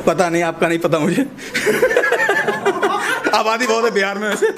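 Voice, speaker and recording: A man's voice: high-pitched, rapid-fire, very noisy. A man performing a stand-up comedy set, chatty and teasing the audience with questions.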